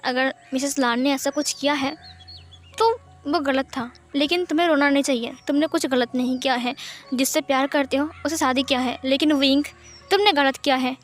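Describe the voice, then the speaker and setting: A protective mother in a spoken fan story fusses and chides , as a woman reads her out. Her voice is high-pitched, and faint music plays behind her. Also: steady tone, normal speed, natural voice. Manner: fussing and chiding. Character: protective warm-hearted mother.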